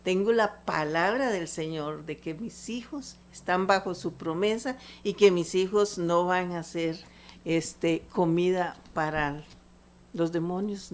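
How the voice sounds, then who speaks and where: An older woman, preaching a sermon with earnest fervor and asking her listeners rhetorical questions. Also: on the low side. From Costa Rica. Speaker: lay preacher.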